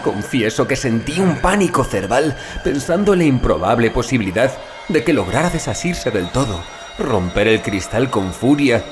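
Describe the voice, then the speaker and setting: A male narrator delivers a horror audiobook with dramatic gravity. His phrasing is deliberate and literary, and his pitch rises and falls widely around a medium register. Music plays clearly behind his voice. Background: background music.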